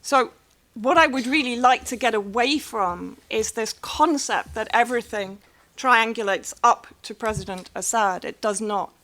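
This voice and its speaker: A woman's voice: on the high side, measured pace, a bit bright. A woman speaking on a press panel, firm and rhetorical in her argument.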